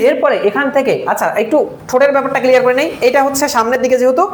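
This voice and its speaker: Fast-talking woman teacher, echoey room. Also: sits high, steady tone, slight background noise. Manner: repetitive drilling, asks and answers own questions. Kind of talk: live online exam-prep class.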